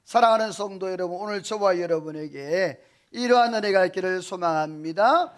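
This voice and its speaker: High-voiced man preaching with call-and-response. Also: moderate pace, clean tone. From South Korea. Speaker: senior pastor. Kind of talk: sermon.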